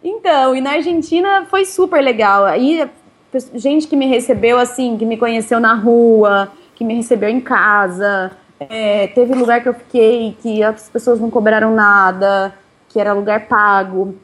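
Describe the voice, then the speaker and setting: Woman, touring cyclist, interviewee; casual and chatty, laughs easily, slightly high voice. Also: a little slow. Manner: chatty, laughs often, relaxed slang.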